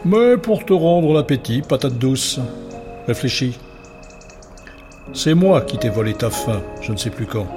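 A man's voice: mid-range voice, big pitch swings, unhurried, pauses often, dark tone, soft background music, pitched above the performer's own voice. A man voicing a teasing nightmare creature. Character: tiny crawling nightmare creature, playful, teasing.

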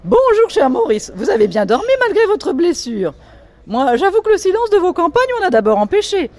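A woman voicing a pompous, theatrical older society lady in a shrill, affected tone while reading a novel aloud. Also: big pitch swings, a little fast, darkish tone. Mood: affected complaint.

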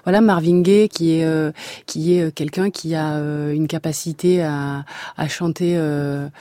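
Woman, interview guest, warm mellow tone, halting delivery full of restarts, dry studio sound. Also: deep voice, steady tone, no room sound. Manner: hesitant, many fillers and restarts. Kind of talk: radio interview conversation. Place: radio studio.

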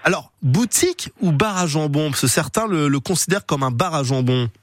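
A man's voice: on the high side, expressive, a little fast, no echo. A man hosting a live radio interview in an informal, conversational way, feeling his way through questions.

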